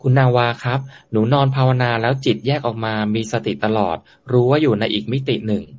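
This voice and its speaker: A male moderator reads listener questions aloud to the monk, plainly naming each sender. He speaks fairly quickly at a medium pitch, and the recording has its highs cut off.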